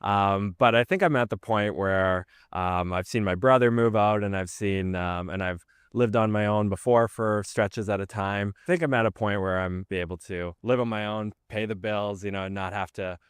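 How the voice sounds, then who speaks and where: A man's voice: on the low side, fairly even intonation, moderate pace, clear, resonant tone, dry recording, studio quality. A man in his twenties, a law student, giving reflective, rambling answers. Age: 20s.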